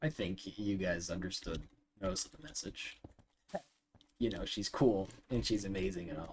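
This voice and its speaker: Somewhat breathy and fairly low-pitched, a man talks at a moderate pace with long, frequent pauses, big swings in loudness, and ordinary pitch variation. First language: not English. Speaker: gaming YouTuber. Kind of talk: casual vlog commentary while gaming. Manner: rambling, hesitant with fillers.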